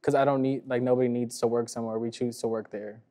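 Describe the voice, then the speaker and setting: A man's voice: mid-range voice, steady tone, quick pace, mellow. Hesitant young man, filler-heavy speech. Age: 20s. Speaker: talk show guest.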